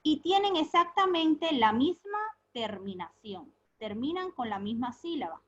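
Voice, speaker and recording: In a recorded remote lesson, a woman teacher patiently puts questions to her pupils, answers them herself, and slowly repeats key words. Her voice is high-pitched and sing-song, and the audio sounds dull.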